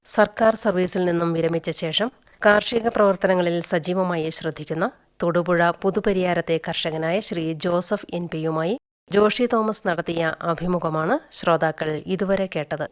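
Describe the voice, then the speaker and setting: A woman's voice: fairly low pitch, fairly even intonation, normal speed. A woman reading a scripted announcement as a radio announcer.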